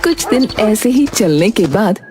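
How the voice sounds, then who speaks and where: A woman narrating a cartoon story in an even, storybook manner. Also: mid-range voice, measured pace, over music.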